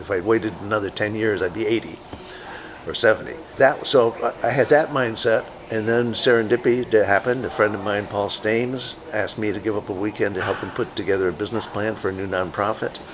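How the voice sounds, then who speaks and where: Words come very fast in a fairly even intonation, with noticeable background noise behind them. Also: man, fairly low pitch for a man. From US Northeast (Buffalo, New York). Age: 80s+. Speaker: professor emeritus. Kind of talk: documentary interview.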